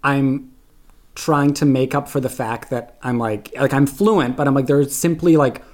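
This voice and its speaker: On a podcast, a young Canadian guest tells stories in a chatty way, constantly dropping "like" into his speech. His voice is medium-pitched and somewhat dark, and he takes his time.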